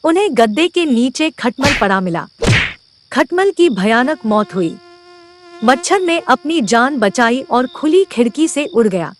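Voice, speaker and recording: A woman narrating a children's moral story in an expressive storytelling voice. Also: high voice, unhurried, a little hiss or hum.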